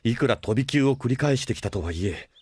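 Gentle older brother, formal, gently scolding, animated intonation, dry recording, audio drama. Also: male voice, mid-range voice, quick pace, slightly rough, no echo. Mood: startled, concerned. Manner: formal, polite, gently lecturing. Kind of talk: Japanese audio drama acting.

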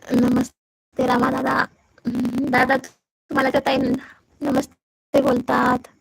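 A woman's voice: high voice, level tone, takes it slowly, vocal fry, slightly rough, poor audio. A young woman with a Marathi accent hosting a casual phone live stream, chatting with viewers and asking whether her audio comes through.

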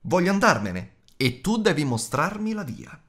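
A man voicing a small, nervous hobbit who talks in a brisk, insistent way. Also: high voice, big pitch swings, fairly bright tone, voice pushed up. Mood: impatient. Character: small nervous hobbit, trying to sound bold.

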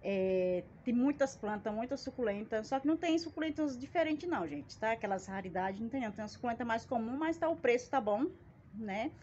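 A woman's voice: on the high side, expressive, fairly quick, darkish tone. A Brazilian woman in her forties chatting casually to her phone at arm's length, with a folksy, self-mocking, jokey manner. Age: 40s. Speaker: plant channel vlogger. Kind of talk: casual chat to camera. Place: small outdoor plant-filled yard by a wall. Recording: dull phone audio with background noise.

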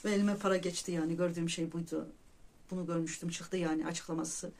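A woman's voice: lowish voice, steady tone, fast, a little mellow, slight background noise. A woman talking casually to her viewers, earnestly sharing religious reflections and retelling dreams, often calling them her friends. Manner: reflective storytelling with pious phrases. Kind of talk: casual personal monologue to viewers.

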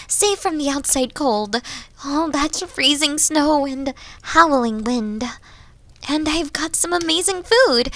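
Woman doing a shy needy wolf girl, asmr roleplay, high voice, slow and halting, plaintive, kinda breathy. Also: no echo. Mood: grateful, cozy. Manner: soft, hesitant, breathy dips into whispering, plaintive. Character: timid, needy young wolf girl, self-loathing and devoted. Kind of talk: ASMR roleplay audio drama.

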